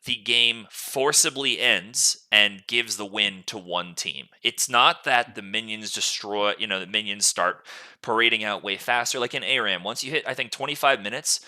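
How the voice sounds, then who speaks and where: A man's voice: fairly low pitch, moderate pace, sharp tone. A man hosting a casual gaming podcast, explaining things at length in a rambling way. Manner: casual swearing. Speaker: podcast host.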